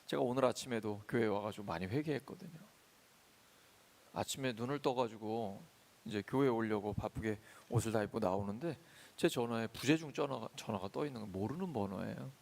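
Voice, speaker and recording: A man preaching a sermon as pastor in a church, swinging between loud emphatic lines and soft confiding storytelling. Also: lowish voice, brisk, creaky. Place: church sanctuary.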